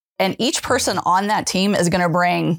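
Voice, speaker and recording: A medium-pitched woman's voice at a moderate pace with ordinary pitch variation, dry and close with no echo, on a very clean recording with a silent background. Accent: Southern US. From US South, Atlanta. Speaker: sales executive. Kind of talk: interview conversation.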